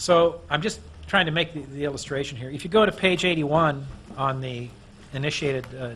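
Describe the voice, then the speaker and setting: The man's pitch is fairly high, with ordinary pitch variation. He talks at a fairly quick pace. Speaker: public commenter at city council meeting. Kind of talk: public comment. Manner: fast.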